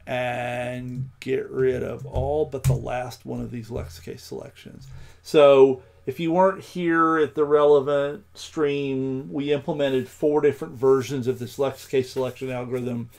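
A man hosting a programming livestream, thinking aloud as he codes, with many pauses and ums. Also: medium pitch. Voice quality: gravelly. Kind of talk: live coding with commentary.

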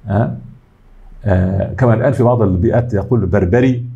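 A man's voice: lowish voice, quick pace, creaky, warm tone, breathy edge, highs cut off. A middle-aged man with an Egyptian accent giving an academic lecture, explaining step by step and answering his own questions. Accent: Egyptian Arabic.

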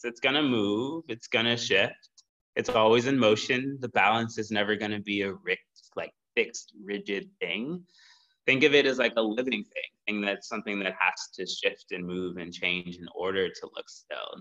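A man teaching a live-streamed power yoga class, giving steady, encouraging cues and breath prompts. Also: on the low side, dull audio. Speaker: yoga instructor.

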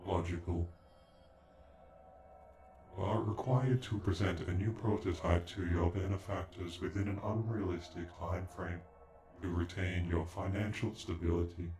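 Man acting a cold sentient android, low-pitched, formal, haughty, stilted ASMR roleplay, echoey, music behind. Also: steady tone, a little slow. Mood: calm, analytical. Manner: stilted, formal, stuttering on glitched words.

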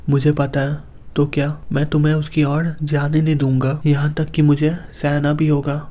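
A fierce, protective young man, read by a male narrator speaks in a mellow, slightly raised voice that hardly rises or falls. His cold threats come out level and flat. The recording sounds dull and lo-fi. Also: a little high, moderate pace, lightly acted.

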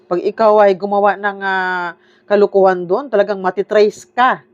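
A woman's voice: medium pitch, fairly even intonation, moderate pace. A woman vlogger giving sarcastic casual commentary, peppering her talk with tag questions and laughs. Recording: dull lo-fi audio.

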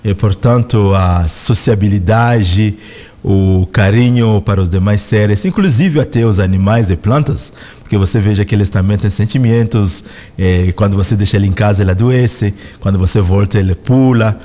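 A middle-aged man with a Congolese accent speaks slowly and thoughtfully into a close studio mic. His voice sits fairly low, and he explains each point with care, as a guest answering interview questions in a radio studio. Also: warm tone. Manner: measured, reflective explaining. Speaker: representative of a spiritual organization, guest. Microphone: studio microphone close in front.

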